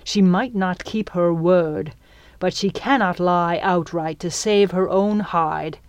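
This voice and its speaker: A woman's voice: lowish voice, slow, smooth, no echo, dull audio. A woman voicing a brooding male pirate captain in a growling, commanding manner for a story. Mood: shaken, brooding.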